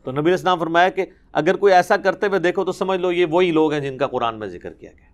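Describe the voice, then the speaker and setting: A middle-aged man with a Pakistani Urdu accent giving a Quran commentary lecture, explaining with animation and reciting verses slowly and carefully. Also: on the high side. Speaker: religious teacher.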